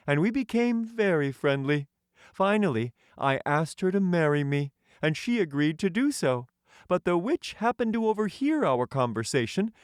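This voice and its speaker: A proud storybook tin emperor, speaking very high with a lilting, swooping delivery. He is courtly and self-satisfied, and words everything formally and grandly, as in an audiobook fairy tale. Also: dry recording, studio quality. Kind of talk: audiobook character voice.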